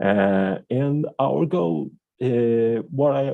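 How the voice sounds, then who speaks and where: A man speaks with a Portuguese accent. His pitch is medium for a man. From Brazil. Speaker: development agency project manager, economist. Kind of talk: conference presentation. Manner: hesitant, many fillers.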